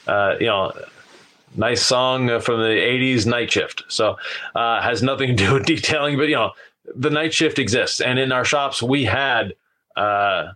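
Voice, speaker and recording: A mid-pitched man in casual podcast conversation. He explains practical advice in an easygoing way, as an experienced host. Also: a little slow, bright, forceful tone.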